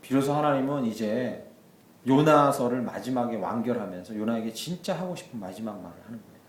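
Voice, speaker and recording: A male pastor delivers a midweek sermon at a middle pitch with a lively, rising and falling voice. He tells the story with animation and slips into the voices of the characters. The sound echoes around a church hall. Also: fairly quick.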